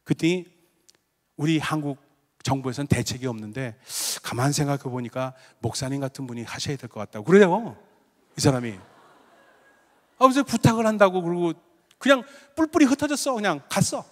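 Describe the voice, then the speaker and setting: A middle-aged male pastor preaches in a voice set a little high, telling a story and leaping from loud emphatic bursts down to hushed, low asides. His words ring out with a long reverb through a large church hall. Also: expressive, normal speed. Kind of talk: sermon.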